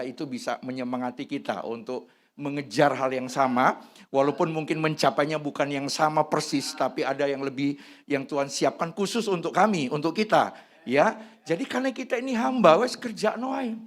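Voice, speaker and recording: A man in his fifties, a church pastor, preaches a sermon in a fairly high voice. He talks in a colloquial, chatty way, slipping into local slang. His pitch and loudness swing widely from hushed asides to loud bursts. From Indonesia. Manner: colloquial, drops into Javanese slang. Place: church hall.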